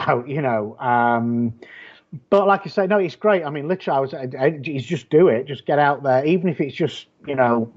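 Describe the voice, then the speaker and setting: The recording is muffled, but the man comes through at medium pitch: a horror author and publisher from Yorkshire, guesting on an interview in a broad Yorkshire English accent. He chats casually and bluntly, rambling and frequently beginning his sentences again.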